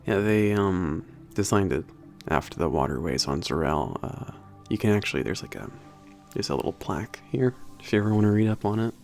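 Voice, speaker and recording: A man playing a laid-back, cocky werewolf trainer at a spaceport in an ASMR roleplay, talking casually with teasing, swearing and halting phrases. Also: sits low, expressive, darkish tone, faint music behind. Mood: relaxed, fond. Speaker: trainer showing a new hire around. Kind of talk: ASMR roleplay, casual one-sided conversation.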